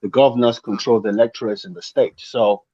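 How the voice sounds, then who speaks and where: A man's voice: fairly low pitch, steady tone, fairly quick, dark tone, no echo, lo-fi sound. An older man from Lagos, debating politics insistently and often stammering and repeating his phrases. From Lagos, Nigeria. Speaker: panelist on a political talk show.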